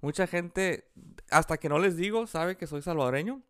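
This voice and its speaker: A man's voice: fairly high pitch, normal speed, fairly bright tone, smooth, dry recording, clean studio sound. A man from Los Angeles with a Mexican-American accent in Spanish, chatting casually with plenty of slang, swearing and bits of English. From Los Angeles, United States. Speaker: podcast co-host. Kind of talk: casual bantering chat.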